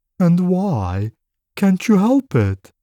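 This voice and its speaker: A man puts on a character voice pitched high. The sound is dry and close with no echo. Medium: read story. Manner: affable, matter-of-fact.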